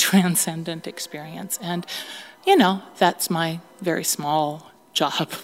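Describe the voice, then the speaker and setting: At a fairly slow pace, the voice stays monotone and flat over noticeable background noise. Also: woman. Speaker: synagogue cantor. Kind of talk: interview. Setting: choir practice.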